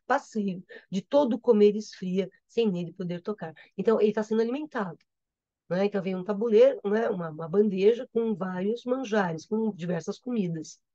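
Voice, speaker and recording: A woman's voice: mid-range voice, dark tone, dry recording, highs cut off. A woman teacher with a Brazilian accent reading a poem aloud and explaining it, often checking in with her listeners. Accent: Brazilian Portuguese. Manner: repetitive, checks understanding with "tá?". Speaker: literature teacher.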